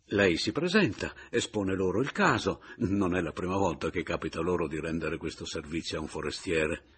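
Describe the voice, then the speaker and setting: A man's voice: deep voice, expressive, moderate pace, fairly bright tone, husky, heavily acted. A man reading an audiobook, voicing an obsequious male secretary with a pleading, fawning manner. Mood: eager.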